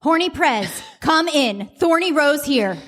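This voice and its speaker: Female performer as bold heroine agent, high voice, earnest delivery, comic radio play. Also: expressive, takes it slowly. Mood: heroic, proud. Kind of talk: live comedic radio play acting.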